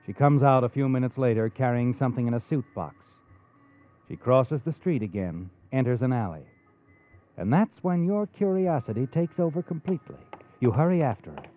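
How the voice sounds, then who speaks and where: A man's voice: mid-range voice, expressive, brisk, lightly acted. A man playing a knowing, taunting, ominous narrator in a 1940s radio mystery, addressing the listener on a muffled old recording. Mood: knowing, suspenseful. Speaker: host and narrator.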